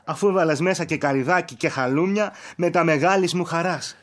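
An actor playing a polite, reassuring young soldier in a radio drama. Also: male voice, fairly high pitch, close to an everyday voice.

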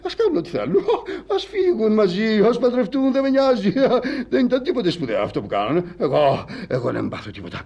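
A man's voice: mid-range voice, huge pitch swings, vocal fry, few pauses, a little mellow, breathy edge, full character voice. An actor playing a melodramatic, self-pitying middle-aged bank director who wails and repeats his words.

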